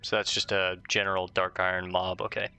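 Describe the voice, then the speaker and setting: A man's voice: low-pitched, little pitch movement, fairly quick, sharp tone, smooth. A man hosting a let's play, laid-back as he talks through quests and reads the quest text aloud. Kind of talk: casual gaming commentary.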